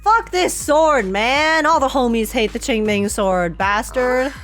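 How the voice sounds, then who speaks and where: Woman game streamer, higher register, animated and exclamatory reaction style, faint game music underneath. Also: slow. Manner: animated, dramatic, exclaims and laughs. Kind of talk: live reaction commentary, reading game text aloud. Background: video game music.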